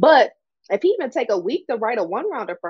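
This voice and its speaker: Her pitch moves in very wide swings. This woman talks at a fairly quick pace. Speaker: podcast co-host. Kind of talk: heated argument, shouting. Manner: loud, combative, animated.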